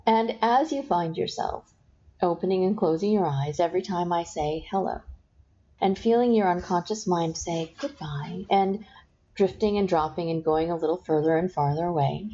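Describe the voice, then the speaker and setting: A woman guiding a hypnosis session, speaking in slow, soft, repetitive suggestions. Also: lowish voice. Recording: dull lo-fi sound with faint noise.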